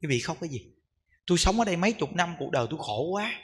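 A man's voice: high-pitched, big pitch swings, a little fast, a bit bright, long reverb tail. A man voicing a stern, devout elderly woman who scolds her family with insistent rhetorical questions, in a sermon. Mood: scolding.

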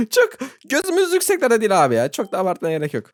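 A gaming YouTuber giving excitable Roblox gameplay commentary, talking straight to viewers, self-mocking and frustrated, moving from low muttering to sudden squeals. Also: fast. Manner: talks to viewers directly, laughs often.

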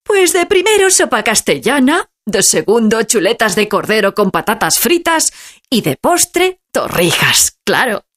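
A woman voicing a cheerful, bustling old grandmother who talks loudly. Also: a little high, very animated, unhurried, voice pushed up, full character voice.

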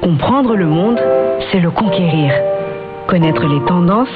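On a tinny shortwave signal with loud music behind, a woman reads a scripted promo. Her voice sits fairly low. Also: animated, measured pace. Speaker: station promo announcer. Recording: tinny shortwave radio reception.

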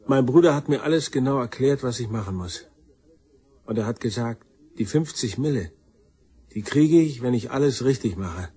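A shiftless black-sheep brother in a crime audio drama. His medium-pitched voice is rough around the edges. He talks in loose slang and puts himself down as he confesses to police. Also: lively intonation, moderate pace, dark tone. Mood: confiding. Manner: colloquial, slangy, self-deprecating. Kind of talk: German crime radio drama acting.

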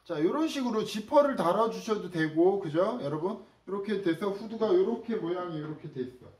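Male sewing instructor, higher voice, casual and chatty with viewers; roomy sound, mic set back. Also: lively intonation, a little fast, darkish tone, far from the mic. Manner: chatty, demonstrative, addresses viewers directly.

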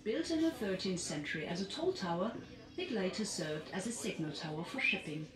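A woman reading recorded sightseeing commentary over a boat's loudspeaker. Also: fairly low pitch, sing-song, drawn-out words. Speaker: recorded tour announcer. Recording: boat loudspeaker, far, echoey, with loud crowd.

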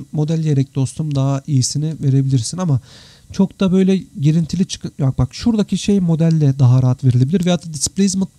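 Indoors on a computer live stream with screen share, a 3D visualization teacher reads out and answers viewer comments in a casual Q&A. His very mellow, dark voice sits a little high for a man, and the recording is dry and close. Tired and slightly worn after three hours of talking, he stays chatty and informal, addressing viewers as friends.

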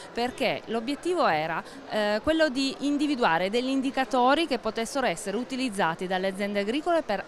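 A middle-aged woman interviewed at a fair stand, explaining a project in a measured way with frequent pauses and fillers, speaking into a handheld mic. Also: medium pitch, a little hiss or hum. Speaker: interviewee, agricultural association staff. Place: indoor exhibition stand at a book fair.

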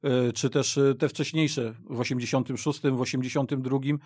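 A man discussing football as a guest pundit on a radio podcast, haltingly, repeating and restarting words. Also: mid-range voice, steady tone, a little mellow, no echo, studio quality. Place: radio studio.

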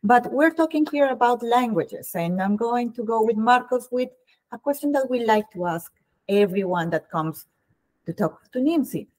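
A woman's voice: on the high side, animated, normal speed, a little mellow, poor audio. A woman in her thirties with a Colombian accent, hosting a casual interview over a video call, chatty with frequent restarts. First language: Spanish. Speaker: host. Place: home room.

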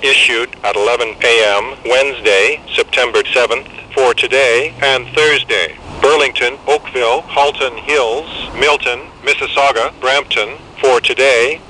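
A man's voice: medium pitch, pushed and bright, a little hiss or hum, low-quality recording. A synthetic man's voice reading an automated weather forecast in a segmented, pieced-together delivery through a small handheld radio speaker. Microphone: camera held near radio's speaker.

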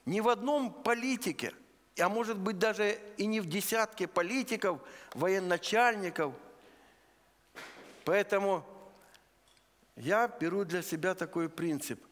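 High-voiced preacher in an echoing church. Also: male voice, a bit bright. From Luhansk region, Ukraine. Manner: earnest, deliberate, numbered points. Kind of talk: sermon. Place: church sanctuary. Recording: long church hall reverb.

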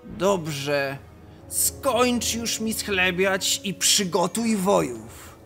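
A man voicing a proud, gruff male tribal chief who speaks in a commanding, haughty way. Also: sits high, animated, very slow, a bit bright, faint music behind, heavily acted. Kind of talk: audio drama acting.

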